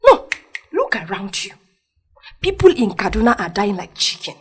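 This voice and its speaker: Husky, preachy Nigerian mother. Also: mid-range voice, very animated, moderate pace. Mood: angry scolding. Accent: Nigerian Igbo-language English. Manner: preachy, exclamatory, repeats herself insistently. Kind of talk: audio drama acting. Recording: music behind the voice.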